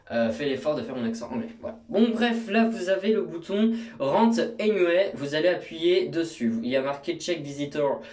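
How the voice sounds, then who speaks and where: A man's voice: a little high, a little mellow. Rambling young man, echoey room. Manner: rambling, many fillers and restarts. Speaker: YouTuber. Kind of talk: casual screen tutorial. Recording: echoey room, mic at a distance.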